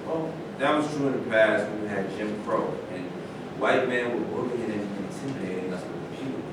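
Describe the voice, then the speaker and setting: A man's voice: on the low side, brisk, close to an everyday voice. A man playing a cocky, self-satisfied Black success in a staged play reading, speaking assertively. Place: large indoor room at a live staged reading, distant mic. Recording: very echoey, noisy room from far off.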